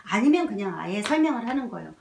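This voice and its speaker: Animated woman lecturing on parenting, roomy sound. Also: a little high, fast talker, gravelly, a little hiss or hum. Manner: animated storytelling, acts out mothers and toddlers, drops to soft whispers; many filler words. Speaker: child development educator. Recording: roomy, mic at a distance.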